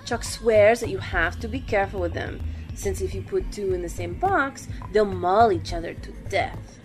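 Actress as a sassy office gossip. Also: female voice, mid-range voice, moderate pace, soft background music, close to an everyday voice. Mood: gossipy, earnest. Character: sassy, gossipy female office worker spreading tall tales. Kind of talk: audio drama acting.

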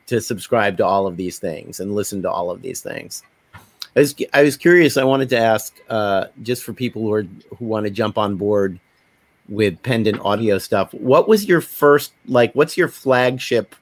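A man's voice: fairly low pitch, no room sound. Discursive man on a dry, close recording. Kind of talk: casual podcast conversation.

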